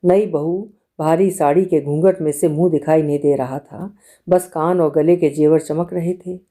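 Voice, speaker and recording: A woman narrates a literary novel as an audiobook, in a measured and expressive storytelling manner. Her voice sits low and sounds very dark and mellow.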